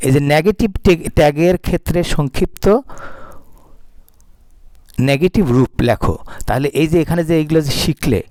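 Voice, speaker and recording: A man's voice: mid-range voice, darkish tone, no echo. A man with a Bangladeshi accent teaching English grammar to students, repeating word lists aloud one by one.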